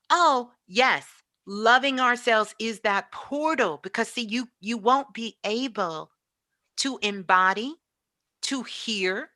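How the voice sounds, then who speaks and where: A woman with a bright, forceful voice speaks as a spiritual teacher. Her delivery is motivational and emphatic, preaching her points and driving them home with repetition. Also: fairly high pitch. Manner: emphatic, preaching, with repeated phrases.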